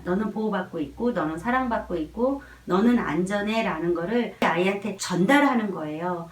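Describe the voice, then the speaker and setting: A woman giving an earnest, gently reassuring talk on caring for babies. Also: mid-range voice. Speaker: parenting educator. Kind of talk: explanatory parenting talk. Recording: echoey room, mic far off.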